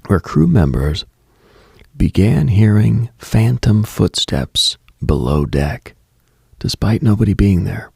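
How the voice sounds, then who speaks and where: A man with a very low, heavily husky voice delivers a contemplative late night radio monologue. He is hushed and brooding, leaving long deliberate pauses. The sound is close and very dry. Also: big pitch swings, no echo. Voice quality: husky, gravelly.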